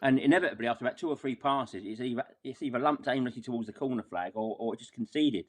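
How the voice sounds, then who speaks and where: Man, medium pitch, casual football review, podcast guest, wordy, exasperated, halting repetitions.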